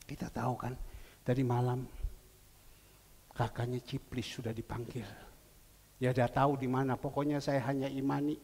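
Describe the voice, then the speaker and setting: A male pastor preaching a sermon in a church, swinging from soft, low asides to loud, emotional emphasis. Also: flat delivery, normal speed, long pauses, big-room sound. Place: church sanctuary.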